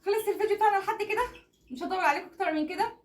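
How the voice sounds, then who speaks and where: Rapid high-voiced Egyptian woman, echoey room. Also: slight background noise. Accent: Egyptian Arabic. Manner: chatty, laughs often, signs off to viewers. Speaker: family channel host. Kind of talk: casual unboxing chat.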